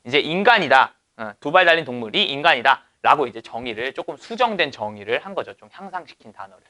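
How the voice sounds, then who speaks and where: Lively, bright-voiced male teacher. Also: medium pitch, fast talker. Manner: asks rhetorical questions and answers them. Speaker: English teacher. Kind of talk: lecture explaining exam passages.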